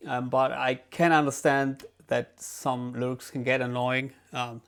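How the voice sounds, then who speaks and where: A man with a German accent, a non-native English speaker, giving a casual album review with many pauses and fillers. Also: medium pitch, clean tone. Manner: relaxed, hesitant, lots of ums and restarts. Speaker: guitar channel host.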